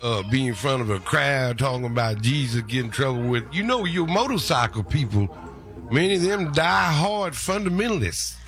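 A man's voice: medium pitch, animated, normal speed, a bit bright. A man voicing a folksy, joking Pentecostal preacher who rambles through a mock prayer with faint organ music behind him. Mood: teasing. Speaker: reverend.

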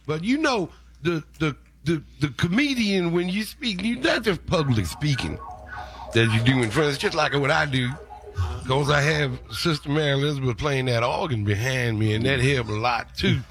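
A man's voice: a little high, expressive, moderate pace, a bit bright. A man doing a rambling joking preacher. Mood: teasing. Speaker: reverend. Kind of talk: mock sermon and prayer. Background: faint organ music.

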